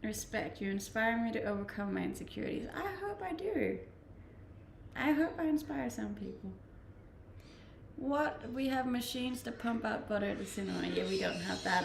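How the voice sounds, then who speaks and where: A Danish livestreamer in her twenties chats casually, laughing often as she reads viewer comments. Her voice is medium-pitched and creaky, moving at a moderate pace. The room echoes and there's background noise.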